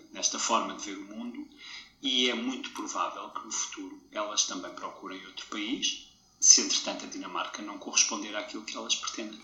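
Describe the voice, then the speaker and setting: A middle-aged man from Portugal answers an interviewer in a measured, reflective way, pausing and searching for words. His voice is low and strikingly bright. It sits in an echoey room with faint noise behind. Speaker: interviewee, conductor living abroad.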